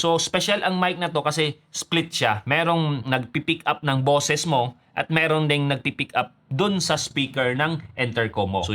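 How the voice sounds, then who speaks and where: A man's voice: on the high side, fairly bright tone. Filipino man giving a casual tutorial. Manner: conversational, switches between Tagalog and English. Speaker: motovlogger and presenter.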